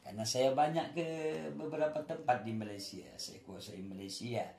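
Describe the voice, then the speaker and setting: A man from Aceh speaking as a guest and telling his story in an animated, emphatic way, repeating key phrases. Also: medium pitch, moderate pace. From Aceh, Indonesia. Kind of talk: conversational testimony. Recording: roomy echo.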